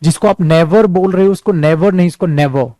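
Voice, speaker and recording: A man with an Indian accent teaching a spoken English class, calling his students dear and son and drilling words by repetition, slowing right down for the English examples. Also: sits high, dark tone, no echo. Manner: slows to a careful crawl for English example sentences.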